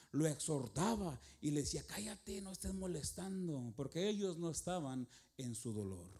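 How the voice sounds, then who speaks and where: Folksy, joking preacher, mellow voice. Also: male voice, fairly high pitch. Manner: folksy, joking, calls listeners "hermano". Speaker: traveling worship singer and preacher. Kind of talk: sermon. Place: church.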